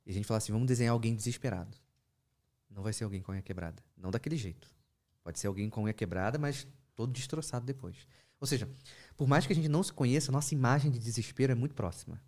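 A man, a therapist telling a session story and explaining ideas in a conversational teaching talk, with lively pitch jumps and asides. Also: very fast. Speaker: therapist speaking about his practice.

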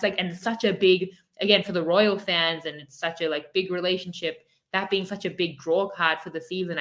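Chatty woman podcast co-host in her thirties. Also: fairly low pitch. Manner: chatty, animated, many fillers. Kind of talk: casual chat.

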